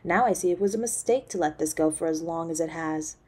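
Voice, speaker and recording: Husky, haughty demon mother, acted by a woman. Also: on the low side, brisk, warm tone, lightly acted. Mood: exasperated, severe. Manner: imperious, mocking, menacing. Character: haughty, cruel centuries-old succubus demon mother. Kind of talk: scripted audio roleplay acting.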